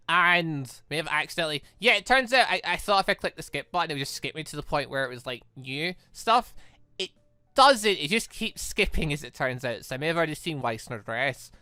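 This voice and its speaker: Animated man rambling through game commentary. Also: sits high, clean tone, no echo. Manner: rambling, self-interrupting, playful sound effects. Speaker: gaming video host. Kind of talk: casual let's-play commentary, reading dialogue aloud.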